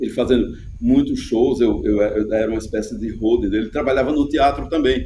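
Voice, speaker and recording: Audible room echo surrounds a man speaking at medium pitch and a moderate pace with lively intonation. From Alagoas, Brazil (Murici). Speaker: composer and music producer. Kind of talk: interview. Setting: TV studio. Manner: halting, many repetitions.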